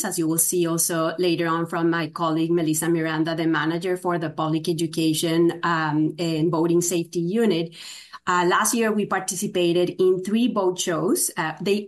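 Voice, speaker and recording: A woman with a Spanish accent gives a formal presentation to a commission. Her voice sits a little low, and she speaks in a measured way, often pausing on "uh". The tone stays steady and informative. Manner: frequent "uh" fillers, measured delivery. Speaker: state agency program presenter.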